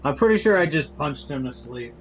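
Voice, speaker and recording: A man's voice: on the high side, expressive, brisk, a little hiss or hum, poor audio. A man casually describing his character's actions as a player in a tabletop game.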